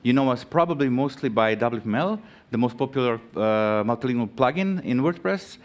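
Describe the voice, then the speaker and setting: Halting, chatty man from Croatia. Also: medium pitch, lively intonation. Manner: halting, lots of fillers and restarts; friendly, chatty asides to audience. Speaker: conference speaker. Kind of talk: live conference talk. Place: conference stage.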